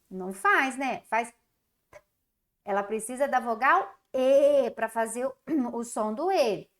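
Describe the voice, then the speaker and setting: A Brazilian woman teaching young children in a recorded class, stretching out syllables in a sing-song, encouraging way. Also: a little high. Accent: Brazilian Portuguese. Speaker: primary school teacher.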